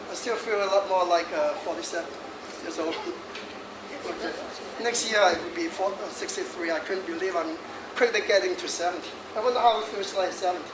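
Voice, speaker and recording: A man's voice: high voice, far from the mic. A man in his sixties, a feng shui master giving a jokey talk to an audience, laughing often and chatting between points. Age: 60s. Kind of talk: lively lecture to an audience. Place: hall in front of an audience. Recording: echoey hall audio from afar with noise.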